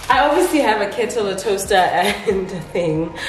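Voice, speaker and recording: Faint music plays behind a woman speaking at a fairly slow pace, with audible room echo. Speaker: home vlogger. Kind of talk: casual vlog chat. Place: kitchen. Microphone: phone near.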